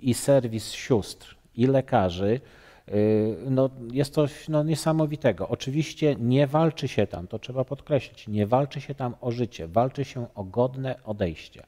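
A man in his fifties from Poland, a guest in a studio interview, talking haltingly with many fillers and restarts. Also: mid-range voice, warm tone, long reverb tail. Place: bright TV studio, seated on sofa.

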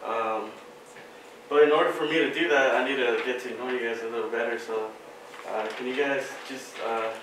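A man's voice: medium pitch, fairly even intonation, normal speed. Man asking questions in an echoey lecture hall. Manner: hesitant, filler-heavy questions. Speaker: student questioning mock jurors. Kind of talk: classroom role-play questioning. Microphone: far camera. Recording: echoey hall from far off, noisy.

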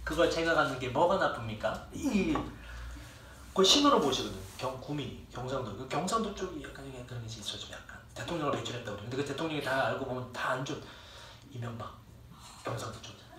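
A man's voice: mid-range voice, expressive, fast, a crowd in the background. A young man teaching a class, who rambles, jokes with his students and swears freely. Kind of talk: classroom lecture. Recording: echoey room, distant mic, faint ambience.

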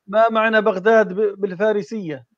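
A man hosting a live quiz, explaining the answers in a measured way. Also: high voice, fairly even intonation, highs cut off. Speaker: quiz host reading answers.

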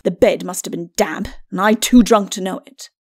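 A woman voicing a pompous, aching skeleton lord, a muddled old drunk with a rough voice and indignant bluster. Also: mid-range voice, steady tone, normal speed, a little mellow, no room sound, studio quality, natural voice. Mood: grumbling.

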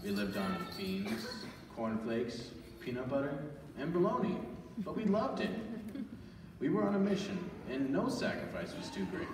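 A man's voice: on the high side, sing-song, normal speed. A man playing a nostalgic narrator, telling his childhood story in a scripted radio play. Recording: echoey church hall, distant, clearly noisy.

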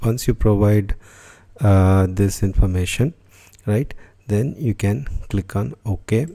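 Low, mellow-voiced male tech tutor. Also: gravelly. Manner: unscripted, frequent fillers and restarts. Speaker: tutorial host. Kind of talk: screen-recorded software tutorial.

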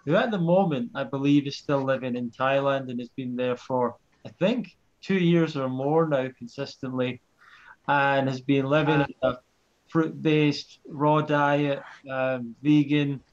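Man in his thirties as laid-back podcast host, mid pitch, dull lo-fi video call sound. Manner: relaxed, halting with fillers. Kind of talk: casual interview.

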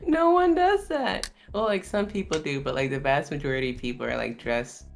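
A woman with a Southern US accent hosting a live stream, chatting casually in a soft, hesitant way with lots of fillers. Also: low voice, expressive, a little fast, gravelly, soft background music. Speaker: VTuber streamer host. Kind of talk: casual chat.

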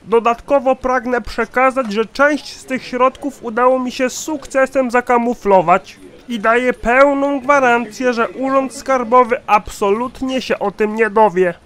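A man's voice: very high voice, unhurried, a bit bright. A man voicing a shady, dim-witted chief accountant in a satirical cartoon, officious and formal. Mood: proud, officious.

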